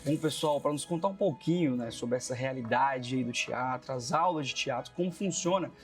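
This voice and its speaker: A man's voice: medium pitch, normal speed. A man with a Brazilian accent presenting playfully and chattily as a reporter. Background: music.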